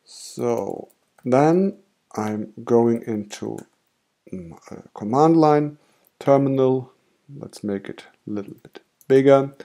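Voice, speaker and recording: A man with a German accent, a native German speaker, calmly explaining software steps in a screen-recorded tutorial. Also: medium pitch, slow pace, gravelly. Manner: calm step-by-step explaining. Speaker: tutorial host.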